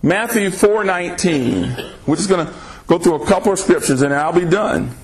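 A man preaching a sermon on a podcast, reading scripture aloud and pressing listeners with rhetorical questions. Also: expressive. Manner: slow, emphatic delivery with sudden pitch swings.

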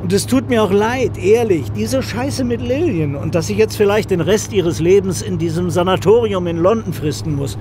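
A male actor playing a jittery, skeptical friend in a German horror radio drama, speaking haltingly and repeating phrases. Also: high voice, background noise, lightly acted. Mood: skeptical, uneasy. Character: jittery, skeptical male film-business friend of a demon hunter.

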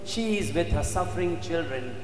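A man preaching a sermon as a Catholic priest, in a solemn, emphatic and dramatic way with repeated phrases and pauses. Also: fairly high pitch, expressive. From India. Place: inside a church. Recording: echoey church hall, faint background noise.

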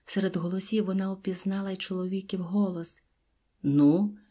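A woman's voice: fairly low pitch, steady tone, normal speed, mellow, breathy edge. A woman narrating an audiobook tale expressively, dropping to whispers at tense moments. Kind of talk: storybook narration.

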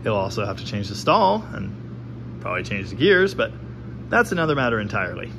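A man's voice: fairly low pitch, big pitch swings, brisk, gravelly, background noise. A man hosting a garage video, giving casual, wry workshop commentary while showing engine parts in his home garage. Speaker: host of a garage engine-building channel.

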